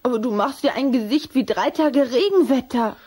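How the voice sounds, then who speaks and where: A bold little vampire girl in a children's audio drama. The voice is high and girlish, eager and full of affection. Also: moderate pace, a little mellow, breathy edge. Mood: eager, affectionate.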